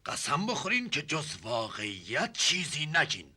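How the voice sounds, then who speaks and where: A pompous, impatient nobleman playing judge in a TV comedy drama. His sharp, husky voice swings widely as he barks orders. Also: fairly high pitch, wildly swooping pitch, full character voice. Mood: stern. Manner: formal, impatient, commanding.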